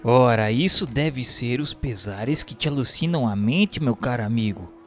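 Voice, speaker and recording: A man's voice: mid-range voice, lively intonation, normal speed, fairly bright tone, soft background music, lightly acted. A man acting a concerned friend giving earnest counsel in a radio drama, with formal, questioning speech.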